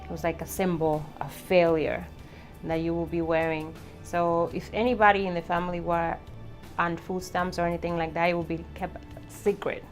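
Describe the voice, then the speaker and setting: A woman's voice: lowish voice, level tone, normal speed, faint music behind. A woman from the Dominican Republic, speaking reflectively with hesitant restarts in a documentary interview.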